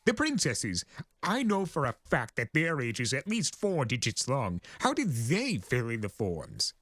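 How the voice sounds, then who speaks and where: An ancient male chimera, lord of chaos, for a cartoon fan story. He is grandiose and exasperated, leaping high and swinging hugely in pitch. The voice has a slightly husky edge and stretches key words for theatrical effect. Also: huge pitch swings, fairly bright tone, no room sound, heavily acted. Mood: indignant. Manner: theatrical, grandiose, indignant, drawn-out emphasis. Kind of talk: dramatic cartoon fan fiction reading.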